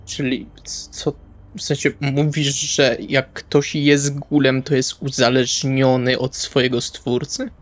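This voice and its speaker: A man's voice: medium pitch, little pitch movement, slow pace. A man playing a tabletop role-playing game, improvising dialogue in a casual, wry, colloquial way. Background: music.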